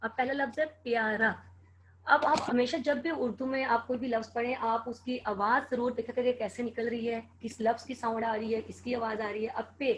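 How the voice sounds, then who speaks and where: A woman teaching a children's lesson, spelling words out slowly and clearly letter by letter. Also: fairly high pitch, steady tone, a little hiss or hum.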